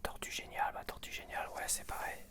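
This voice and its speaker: A man speaking in an unvoiced whisper, chatting casually and informally in a rambling, self-correcting ASMR style. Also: quick pace. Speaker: ASMR video creator.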